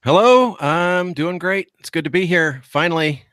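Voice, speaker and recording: A man's voice: high voice, moderate pace, fairly bright tone, no room sound, studio quality. A man as guest host of a podcast, gushing with enthusiastic fan praise in casual chat.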